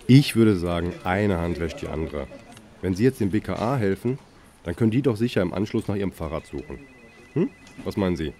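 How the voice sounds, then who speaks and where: A man's voice: low-pitched, animated, a little fast, warm tone. An actor playing a dry, sarcastic male police dispatcher taking an emergency call. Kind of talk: radio play acting.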